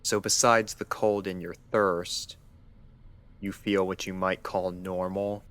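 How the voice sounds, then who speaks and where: A man voicing a guarded male doctor pony questioning a patient in a story reading, stiff and measured. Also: sits low, flat delivery, a bit bright. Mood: clinical, questioning. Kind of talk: dramatized fan fiction reading.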